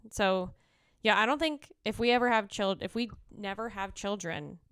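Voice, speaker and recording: A young woman co-hosting a casual podcast, talking loosely with lots of fillers and laughing easily. Her voice is smooth and clear. The sound is dry and close. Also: medium pitch, moderate pace, a bit bright, dry recording. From United States. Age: 20s. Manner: chatty, many fillers, laughs often. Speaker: podcast co-host. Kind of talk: casual chat.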